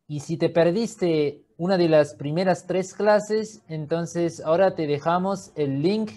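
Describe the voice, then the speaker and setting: A man teaching an online lesson, patiently demonstrating sounds and often checking in with a quick question. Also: a little high, dark tone. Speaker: Quran reading teacher.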